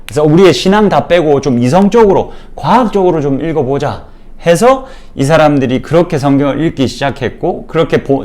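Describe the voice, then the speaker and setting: Lively-voiced man giving a church Bible lecture. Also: mid-range voice. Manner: explanatory, addresses listeners directly, many fillers.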